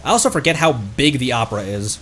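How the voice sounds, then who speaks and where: A man's voice: medium pitch, animated, fast talker, fairly bright tone, soft background music. A man chatting casually on a livestream as the streamer, playful and rambling.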